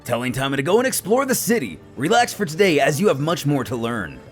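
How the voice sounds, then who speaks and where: A man's voice: on the high side, big pitch swings, quick pace. A man narrating a scripted fantasy story dramatically, as a storyteller. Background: background music.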